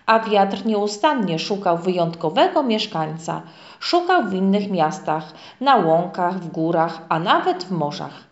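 A woman reading a children's story aloud in a gentle, lively storytelling manner. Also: mid-range voice, unhurried. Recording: echoey, dull lo-fi room.

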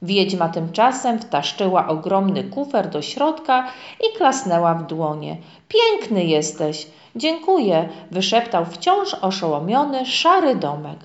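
Lively-voiced woman reading a children's story. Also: mid-range voice, measured pace. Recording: echoey, dull lo-fi room.

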